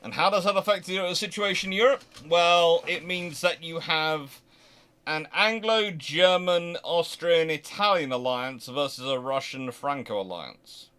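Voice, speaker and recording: A man's voice: fairly high pitch, sharp tone, clean tone. A man hosting a live question-and-answer talk on history, speaking off the cuff with frequent restarts and emphatic stresses. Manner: halting, restarts sentences, thinks aloud, emphatic stresses. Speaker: host of naval history channel.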